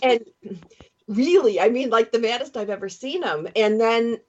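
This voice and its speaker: A woman hosting a radio panel chat, telling stories in a lively, quick way. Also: a little high. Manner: lively storytelling, quick asides. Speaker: talk radio host. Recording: slightly dull lo-fi sound.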